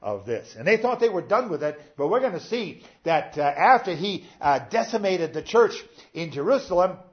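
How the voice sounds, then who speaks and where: An older man, a pastor, preaching a sermon in a conversational way, pausing with "uh" and talking straight to his congregation. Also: high voice, big pitch swings, highs cut off.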